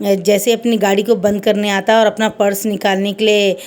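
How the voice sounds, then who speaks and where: A woman's voice: medium pitch, flat delivery, fairly quick, a little mellow. A woman telling a romance fan fiction story aloud in a rambling, conversational way.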